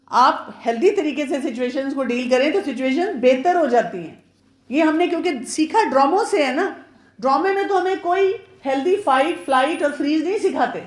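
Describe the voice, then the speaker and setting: A woman pediatrician giving a chatty, advising marriage awareness talk to women, mixing in English words. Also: high-pitched. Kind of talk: informal lecture to women. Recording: roomy echo.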